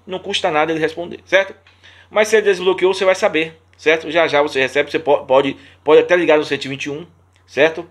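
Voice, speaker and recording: A man with a Brazilian Portuguese accent hosting a channel, answering viewer comments in casual talk and repeating his points with indignation. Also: a little high. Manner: reads viewer comments aloud.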